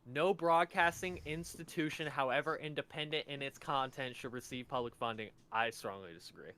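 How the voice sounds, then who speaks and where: A man's voice: medium pitch, normal speed, bright, forceful tone, a little hiss or hum. Laid-back young guy in casual chat. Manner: laid-back, profane, joking. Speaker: podcast co-host. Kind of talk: casual chat, reading quiz statements aloud.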